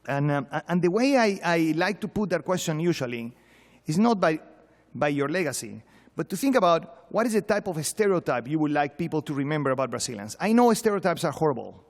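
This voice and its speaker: Higher-voiced Venezuelan man in an echoey hall. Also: big pitch swings, a little fast. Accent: Venezuelan Spanish. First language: Spanish. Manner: emphatic, repeats words, rhetorical questions. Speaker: professor, conference panelist. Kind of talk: informal conference speech, humorous and exhortatory. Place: large conference hall. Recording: echoey hall, long reverb.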